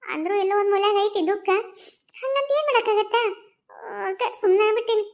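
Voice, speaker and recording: A woman plays a carefree female ghost in a cartoon, with a very high, squeaky-bright voice and a North Karnataka Kannada accent. She talks in a chatty, folksy way, soothing and coaxing a fellow spirit. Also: brisk. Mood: consoling. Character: cheerful murdered female ghost, carefree and consoling. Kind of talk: cartoon voice acting.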